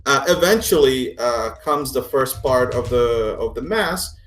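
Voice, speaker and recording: A man running a tabletop game, narrating and explaining in a halting, conversational way as game master. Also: mid-range voice, expressive, a bit bright. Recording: echoey room.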